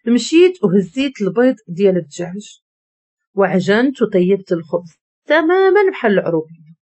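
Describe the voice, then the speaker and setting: Husky Moroccan woman telling a story. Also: medium pitch, darkish tone. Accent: Moroccan Arabic. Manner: emotional, confessional. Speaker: story narrator. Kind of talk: first-person storytelling narration.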